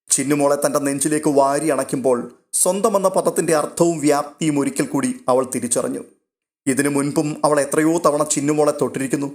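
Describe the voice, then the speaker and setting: A male narrator reads a novel aloud with a steady, literary delivery. His voice sits a little higher than most men's. The telling is even and unhurried.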